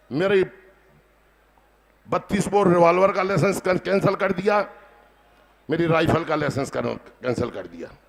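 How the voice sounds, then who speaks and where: Over noticeable background noise, the speaker pauses long and often, with ordinary pitch variation. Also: man, high pitch for a man. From Chanderi, Madhya Pradesh, India. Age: 60s. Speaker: politician. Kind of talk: political rally speech. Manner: loud; animated.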